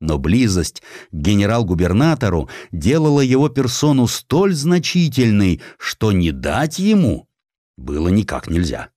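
A man narrating a satirical historical audiobook in a theatrical, ironic and expressive manner. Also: lowish voice, unhurried, dry recording, clean studio sound.

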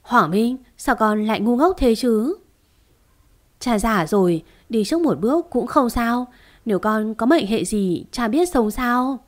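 A woman's voice: a little high, lively intonation, unhurried. Storybook read: older family patriarch, earnest; woman narrator reads it plainly. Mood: grieving. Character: older man, wealthy family head, pleading.

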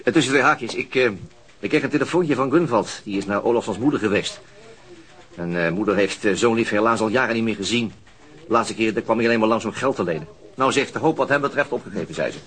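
A man's voice: fairly low pitch, fast, fairly bright tone, lightly acted. An actor playing a weary, wry police inspector and father in a radio drama, dry and mildly grumbling. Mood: businesslike. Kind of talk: naturalistic Dutch radio drama acting.

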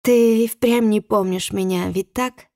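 Woman narrator doing a snide young woman, taunting, pitched up, audiobook. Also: fairly even intonation, unhurried, darkish tone, dry recording, clean studio sound, natural voice. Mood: mocking. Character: young woman, sneering and mocking. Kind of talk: audiobook character voice.

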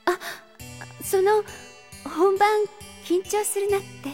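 A gentle teenage girl with a very high, soft voice. She is polite and earnest in anime audio-drama style, over faint music. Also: fairly even intonation, slow. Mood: shy, gentle.

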